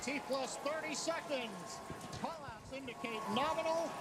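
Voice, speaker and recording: A man's voice: very high-pitched, measured pace. A man giving live launch commentary, explaining technical steps as they come. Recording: some background noise and crowd.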